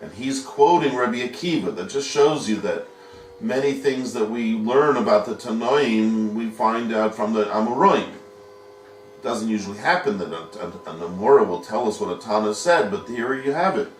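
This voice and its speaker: A yeshiva teacher leads a Talmud study lesson, patiently walking through each step and posing rhetorical questions. His lowish voice is animated at a moderate pace. The room is echoey, the mic is distant, and there's a little hiss or hum.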